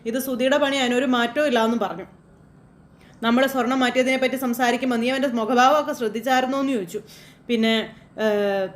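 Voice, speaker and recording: Woman, chatty recap narrator, talks straight to the listener, echoey room. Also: fairly high pitch. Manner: chatty, addresses the listener directly. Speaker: serial episode recapper. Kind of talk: casual spoken story recap.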